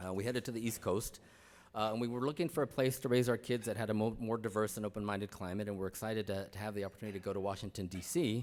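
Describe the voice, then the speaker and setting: With a Spanish accent, a man speaks at a very fast pace in a fairly low pitch with ordinary pitch variation, on a very clean recording with a silent background. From Mexico, then US (Arizona). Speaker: education official. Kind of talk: conference speech. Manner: halting, with frequent repetitions.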